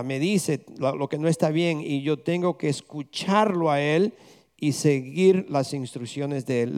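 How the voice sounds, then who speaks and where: A man's voice: fairly high pitch, darkish tone, clean tone. A man preaching a conversational sermon as pastor, firing rhetorical questions at the congregation and slipping English words into his talk.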